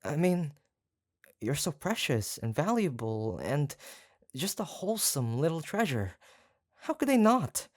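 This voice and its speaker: An actor playing an obsessive, doting yandere kidnapper in a roleplay audio drama, halting and coaxing, tender yet menacing. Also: medium pitch, sing-song, no room sound, clean studio sound. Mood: gushing, insistent. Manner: halting, gushing, coaxing, with nervous stammers. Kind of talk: roleplay audio drama, intimate one-sided monologue.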